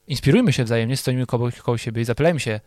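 A man's voice: mid-range voice, racing, a little mellow, no echo, clean studio sound. A man co-hosting a casual chat, explaining things step by step in a playful way. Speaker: podcast co-host.

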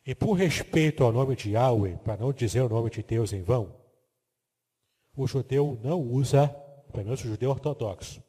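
A man's voice: mid-range voice, moderate pace, dark tone, breathy edge, big-room sound. A man teaching the Bible from slides, explaining terms step by step and checking that the listener follows. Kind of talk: biblical teaching lecture with slides.

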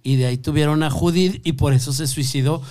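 A man's voice: a little high, steady tone, fast talker, a little mellow. A man in his forties from Mexico City with a Mexico City accent, mocking his friends in crude casual banter. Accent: Mexico City Spanish. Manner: foul-mouthed, mocking.

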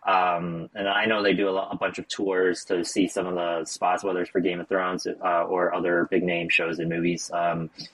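Husky low-voiced American man host. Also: flat delivery, normal speed, a bit bright, dry recording, poor audio. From United States. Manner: chatty, filler-heavy, friendly small talk. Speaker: podcast host. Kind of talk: casual interview chat. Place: Chicago.

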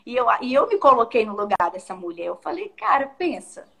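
A woman talks through a scripture passage in a casual devotional chat. Her voice sits a little high and sounds bright and forward. She is reflective and slips into acted-out quotes with shifting tones. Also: sing-song, fast talker, vocal fry. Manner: reflective, acts out quoted speech in varied tones. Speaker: co-host of a Bible discussion.

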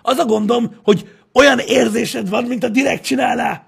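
A young man in casual chat, ranting, swearing and now and then shouting as he co-hosts. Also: very high-pitched, fairly even intonation, vocal fry, husky.

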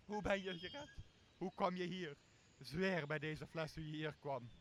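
A young man plays a tipsy, bossy castaway in a radio play. His voice is high for a man and blusters coarsely, with clear outdoor nature sounds behind it. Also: a little slow, background noise, lightly acted. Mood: boisterous. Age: young adult. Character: boozy, blustering male castaway, greedy and bossy.

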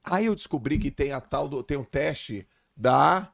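A man in his forties hosting a podcast, telling a story in an animated way with bursts of loud laughter. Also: on the high side, unhurried, gravelly, dry recording, studio quality. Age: 40s. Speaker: podcast host. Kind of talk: casual chat.

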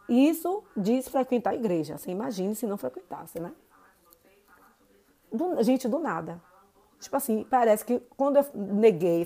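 Woman, 40s, Bahian accent; warm, slightly high voice; chatty podcast host talking straight to the audience. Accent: Bahian Portuguese, Salvador. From Brazil. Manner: chatty, keeps addressing listeners with "gente" and "né". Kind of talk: casual monologue podcast.

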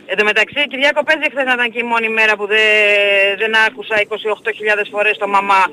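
A woman's voice: mid-range voice, steady tone, pushed and bright, rough recording. A woman calling in to a sports radio show, chatting in a rambling way with many fillers. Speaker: caller. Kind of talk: casual call-in chat.

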